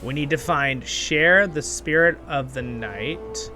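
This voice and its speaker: A man hosting a gaming video with casual, excitable commentary, talking half to himself and half to his viewers. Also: on the high side, takes it slowly, music in the background. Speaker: gaming channel host. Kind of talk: casual gameplay commentary, with expressive story reading.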